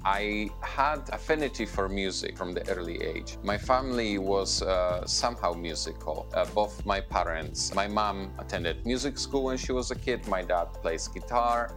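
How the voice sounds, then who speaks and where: A man in his thirties from Poland with a low voice, talking as a podcast guest in a relaxed, joking way with frequent fillers. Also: normal speed, few pauses, music in the background. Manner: chatty, self-deprecating humor, frequent fillers. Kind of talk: relaxed conversational storytelling.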